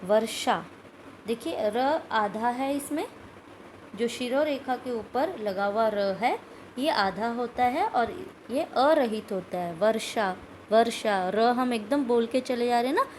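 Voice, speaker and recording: Woman schoolteacher, slow and patient, fairly high voice, repeats sounds for pupils over faint hiss. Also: expressive, darkish tone, low-quality recording. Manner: explains slowly, repeating words and sounds aloud; asks questions of pupils, adds "ठीक है" often. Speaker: school Hindi teacher. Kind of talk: recorded video lesson.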